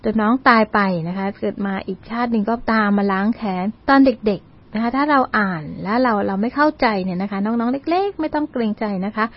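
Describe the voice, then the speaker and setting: Brisk and lively in intonation, this woman's slightly high voice belongs to a university learning centre presenter from Thailand. She delivers an educational community radio talk politely, using frequent particles and bits of English, captured in a dull lo-fi radio recording.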